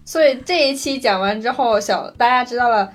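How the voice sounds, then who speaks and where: A woman's voice: on the high side, fairly quick, soft background music. A woman podcast co-host in a casual chat, chiming in with witty one-liners.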